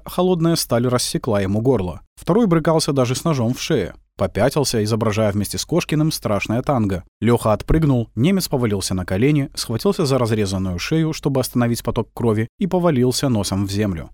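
Мужчина читает аудиокнигу, рассказывая выразительно. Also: male voice, mid-range voice, no room sound, clean studio sound. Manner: expressive storytelling. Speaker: audiobook narrator. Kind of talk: audiobook narration.

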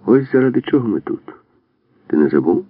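A man reading an audiobook, voicing a calm male commando leader who reassures his partner gently. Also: medium pitch, a little fast, no room sound, pitched above the performer's own voice. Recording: dry, phone-like narrow band.

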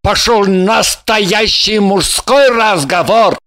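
A woman's voice: medium pitch, slow, fairly bright tone, no room sound, studio quality. A woman narrator voices a drunk, fussy foreign male dancer who speaks broken Russian. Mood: tipsy.

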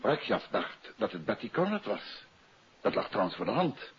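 A calm, inquisitive gentleman detective speaks Dutch with a Netherlands accent in a 1950s radio serial. His questions are measured, with lively rises and falls. The old recording is muffled, with a clear hiss behind him. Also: on the low side. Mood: businesslike, probing.

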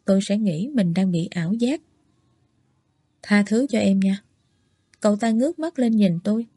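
A woman narrates a novel in the first person at an even, measured pace. Her voice is mellow and warm. The recording is close and dry. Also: medium pitch, dry recording. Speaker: audiobook reader.

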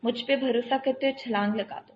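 A woman voicing a calm, commanding young male army captain who steadily coaxes a frightened child, on dull lo-fi audio. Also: on the high side, slight background noise, natural voice. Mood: coaxing. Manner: steady, coaxing, talks a frightened child through danger.

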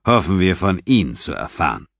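A man plays a blunt, gruff senior police officer in a low voice, recorded dry and close. He talks down to a younger man in a curt, no-nonsense way. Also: big pitch swings, brisk, fairly bright tone, dry recording, heavily acted. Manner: gruff, blunt, fatherly-condescending.

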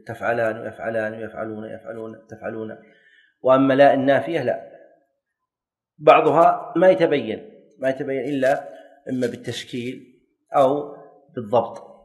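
A man's voice: medium pitch, normal speed, pauses often. Sheikh quizzing his students. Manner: quizzing and correcting students, joking lightly. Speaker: teacher of Islamic jurisprudence. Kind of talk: classroom lesson with questions to students.

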